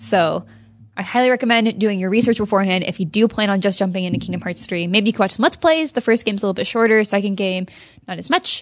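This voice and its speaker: Very fast and with an American accent, a woman speaks at a medium pitch with ordinary pitch variation over a quiet background. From Texas. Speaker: games journalist. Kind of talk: casual chat.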